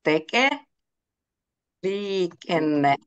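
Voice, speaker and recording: A woman's voice: fairly low pitch, expressive, clean tone, no echo, highs cut off. Patient woman teaching Finnish online. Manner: patient, mixes Finnish and English, laughs often. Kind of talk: online language lesson. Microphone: video call.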